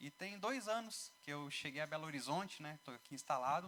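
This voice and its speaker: A man talks at a moderate pace in a fairly high pitch. His tone is bright and sharp, with ordinary pitch variation. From Brazil, Mato Grosso do Sul (Campo Grande). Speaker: preacher. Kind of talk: sermon. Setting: church.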